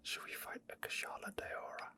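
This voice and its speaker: A person whispering unscripted ASMR gameplay commentary in a soft, breathy, unhurried way, thinking aloud. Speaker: gaming ASMR video creator.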